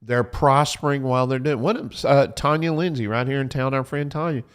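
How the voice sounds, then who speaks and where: A man's voice: mid-range voice, fairly even intonation, brisk, clean tone. A man hosting a Christian show, giving practical advice in a folksy, repetitive, preaching style and urging listeners to write things down.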